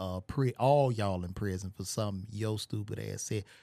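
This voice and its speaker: A man with an American accent and a dark, mellow tone, at a moderate pace with ordinary pitch variation, in a very clean, dry, close recording with a silent background and no echo. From Chicago South Side. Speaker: guest and commentator. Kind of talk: heated debate, hammering each point over the other speaker, blunt and profane. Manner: forceful, loud, insistent, cutting in repeatedly.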